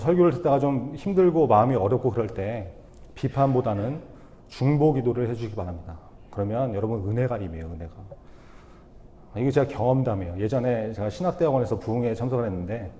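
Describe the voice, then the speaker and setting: A man's voice: medium pitch, warm tone. Young male preacher, reverberant church hall. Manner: conversational, humorous, addresses the congregation directly. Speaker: youth ministry preacher. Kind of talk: sermon. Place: church sanctuary.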